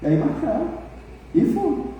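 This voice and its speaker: High-voiced pastor preaching in a booming hall. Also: male voice, measured pace, muffled recording. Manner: colloquial, animated, asks the congregation for responses. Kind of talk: sermon with storytelling. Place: church. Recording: echoey church hall, mic far off, faint noise.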